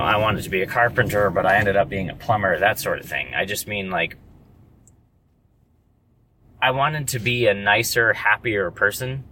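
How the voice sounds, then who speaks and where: A man in his thirties talking through a reflective personal monologue, halting, with frequent restarts. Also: on the low side. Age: 30s. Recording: distant mic with loud traffic noise.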